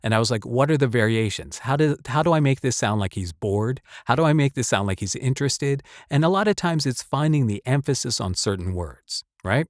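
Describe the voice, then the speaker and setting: A man's voice: mid-range voice, expressive, brisk, hardly any pauses, dry recording, studio quality. A man speaking as a voice actor giving casual advice, rambling and emphatic in a conversational way. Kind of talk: casual advice talk to camera or mic.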